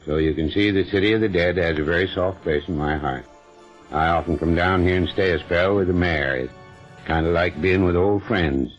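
A man's voice: low voice, moderate pace, close to an everyday voice. A male actor in an old-time radio drama playing a genial but evasive retired country doctor, folksy, soothing and insistent. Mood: genial, reminiscing. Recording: muffled vintage radio recording with music behind.

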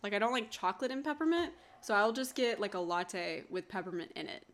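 A woman's voice: mid-range voice, animated, fairly quick, a bit bright, slight background noise. A woman co-hosting a podcast in casual chat, rambling along with lots of "like" and "um". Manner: chatty, rambling, with many fillers. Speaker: podcast co-host.

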